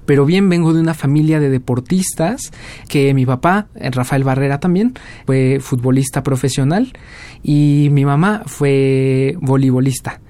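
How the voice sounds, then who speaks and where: A Mexican man in his twenties, a young jazz musician answering interview questions in a relaxed storytelling way with many fillers. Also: medium pitch, unhurried, no echo. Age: 20s. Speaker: guest musician.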